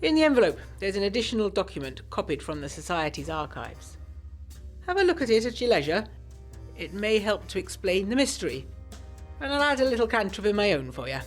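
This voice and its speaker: A woman voicing a courteous, faintly sinister male doctor with formal, measured phrasing in a gothic audio drama. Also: mid-range voice, sing-song, soft background music, close to an everyday voice. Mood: brisk, knowing.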